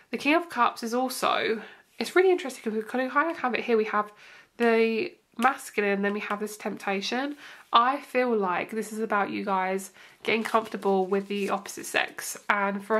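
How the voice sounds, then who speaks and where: A woman's voice: medium pitch, a bit bright. Young woman, stuffed-up nose, chatty and reassuring, rambling tarot reading. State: stuffed-up nose from hay fever. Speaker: tarot reader. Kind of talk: casual tarot reading to camera. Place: indoor room, table seen from above.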